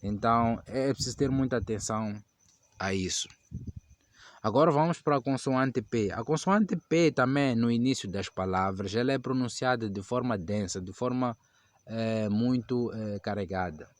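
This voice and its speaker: A man teaching English pronunciation to Portuguese speakers, slowly repeating each example word several times. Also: mid-range voice, no echo. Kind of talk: pronunciation lesson.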